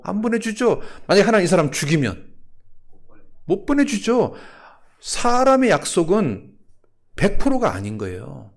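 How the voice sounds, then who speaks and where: A man's voice: high voice, big pitch swings, normal speed, creaky, long pauses. A male pastor preaching a sermon, keeps asking the congregation questions and telling a story with acted voices.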